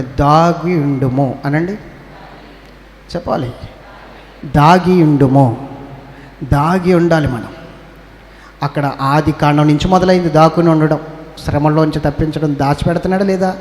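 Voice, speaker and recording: A male pastor with a Telugu accent from Andhra Pradesh preaches a church sermon, calling on the congregation to respond while scolding and exhorting them. His voice is fairly high with a darkish tone, recorded in an echoey church hall with faint ambience.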